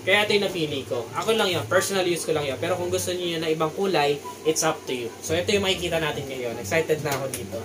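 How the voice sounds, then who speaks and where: A man's voice: on the high side, fast, few pauses, noisy background. A Filipino man talking casually and chattily as a vlogger doing an unboxing review, mixing in English terms. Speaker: motorcycle vlogger and product reviewer. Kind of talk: casual unboxing vlog talk. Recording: music playing behind the voice. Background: prominent guitar music.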